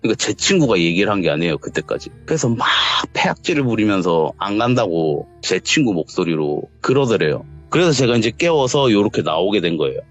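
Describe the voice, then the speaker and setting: A man's voice: sing-song, fairly quick, few pauses. A man, recounting a ghost story in casual talk and acting out the voices in it. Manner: acts out quoted lines, shouting in a raised pitch. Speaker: interviewee telling a true ghost story. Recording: dull lo-fi sound with faint music.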